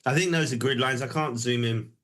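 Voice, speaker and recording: Speaking a little fast, another male co-host of the music review stream uses a medium-pitched, slightly bright voice. His casual talk is relaxed and meandering, full of hesitations.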